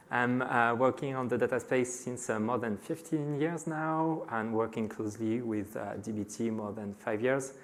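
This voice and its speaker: A man's voice: medium pitch, unhurried. Man, French accent, middle-aged, conference talk, many hesitations. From France. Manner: frequent hesitations with many "uh" fillers; addresses a live audience. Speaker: conference speaker.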